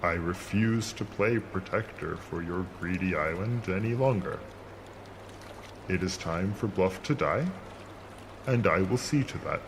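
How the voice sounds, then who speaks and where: A man's voice: low voice, a little slow. A man playing an ancient, immortal sea monster in an audio drama, speaking in a grand, stern, formal and scornful way. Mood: cold, menacing. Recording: clear watery ambience noise behind voice.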